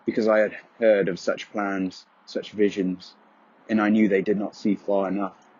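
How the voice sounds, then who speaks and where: Low, husky man narrating solemnly. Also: level tone, darkish tone, dull audio. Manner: brooding, solemn, measured delivery. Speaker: voice-over narrator. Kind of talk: scripted dramatic narration of dark poetic prose.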